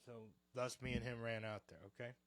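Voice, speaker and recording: A man co-hosting a podcast, telling a story in casual chat, animated and profane, acting out the quotes. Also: mid-range voice, brisk, no room sound. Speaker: podcast co-host.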